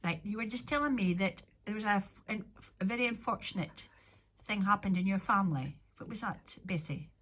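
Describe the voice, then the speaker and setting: A woman's voice: medium pitch, fairly quick, a bit bright. A woman from north-east Scotland with a Doric accent, interviewing informally in a chatty, encouraging way, often repeating and affirming. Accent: north-east Scottish Doric.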